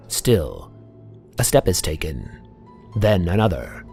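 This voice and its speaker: Man, dramatic narration, deep pitch, wide expressive swings, ominous, deliberate, faint music. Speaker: voice-over artist. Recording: music bed behind the voice.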